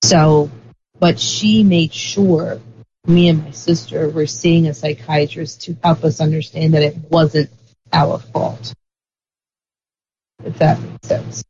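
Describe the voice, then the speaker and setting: An interview guest talks through ideas at length, rambling and filling gaps with "like" and "um". The voice sits in a middle pitch. It comes through a dull, lo-fi recording with a faint hiss underneath. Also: little pitch movement, slow pace, a little mellow. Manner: rambling, heavy use of "like" fillers. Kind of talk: casual conversational explanation.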